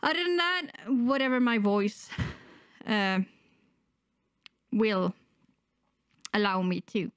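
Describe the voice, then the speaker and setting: A woman's voice: medium pitch, sing-song, slow pace, pauses often, fairly bright tone, clean tone, no room sound. A middle-aged woman who is sick and slightly wheezy, chatting casually and hesitantly to camera as a reaction channel host, close on a desktop microphone. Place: indoors, small room at home.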